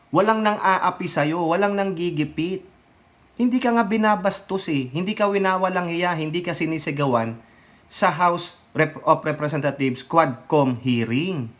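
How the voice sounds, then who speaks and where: A man's voice: fairly high pitch, fairly bright tone. A man giving casual political commentary on his vlog, mocking and taunting, mixing English phrases into his talk and laughing often between remarks.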